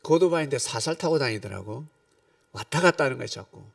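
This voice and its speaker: Middle-aged male pastor, animated sermon, dry sound, mic set back from him. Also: mid-range voice, fast, creaky, dry recording, distant mic. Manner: animated storytelling, shifts between calm preaching and sudden loud outbursts.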